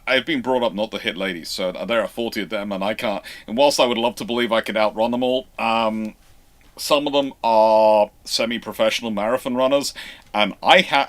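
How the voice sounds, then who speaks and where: A man answers viewers on a live stream at a middling pitch. He explains things informally and ramblingly, often stopping and restarting, and sometimes stresses a word with deliberate care. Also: a bit bright. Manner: rambling, halting with repeated false starts; over-careful emphasis on some words. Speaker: host of live naval history Q&A stream.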